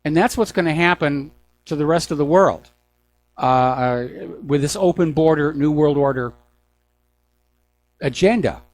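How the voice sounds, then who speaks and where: Older man, American accent, slightly high pitch, talk radio host, opinionated news monologue, deliberate pauses. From United States.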